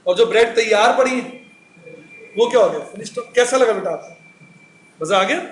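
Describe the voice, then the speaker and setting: A man's voice: high-pitched, fairly quick. A middle-aged man teaching accounts in a recorded classroom lecture, chatty, asking the class questions and answering them himself. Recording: echoey room with faint noise.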